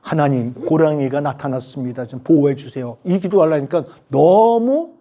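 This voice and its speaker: A man's voice: fairly high pitch, normal speed, mellow. A man in his sixties, a professor giving a university lecture, chatty and storytelling, with many rhetorical questions.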